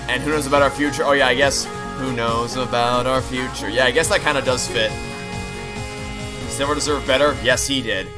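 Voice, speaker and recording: This video game streamer and host keeps up fast, casual commentary for his viewers, frequently restarting and repeating what he says as he rambles through the playthrough. His medium-pitched voice holds a steady tone, with a game song playing underneath.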